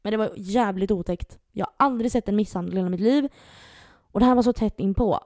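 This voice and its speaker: A young woman on a podcast, telling a story casually and animatedly and acting out the voices she quotes. Her tone is dark and mellow, and the recording is close and dry, with no room sound. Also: mid-range voice, no echo. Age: young adult. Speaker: podcast co-host.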